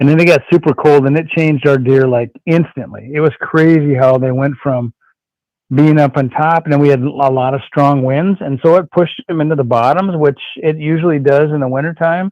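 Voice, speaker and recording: At a fairly quick pace, an ordinary speaking voice comes through with fairly even intonation and a dry, close sound with no echo. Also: man, fairly high pitch for a man. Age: 60s. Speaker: deer hunter. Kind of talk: casual radio interview.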